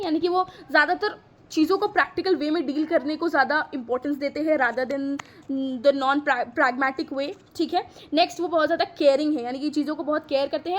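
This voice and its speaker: High-voiced Indian woman teacher. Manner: explains in Hindi, reads answers slowly in English. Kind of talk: classroom lesson.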